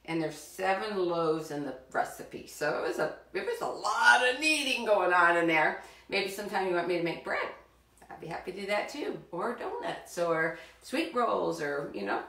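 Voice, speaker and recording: A middle-aged woman with a slightly low voice chats warmly to children as she shows them how to bake. She talks straight to her young viewers and encourages them. She is picked up by a camera set back in a roomy home kitchen. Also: sing-song, moderate pace. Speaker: cooking show host for children. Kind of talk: live cooking demonstration. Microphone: far camera. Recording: roomy kitchen sound from a distance.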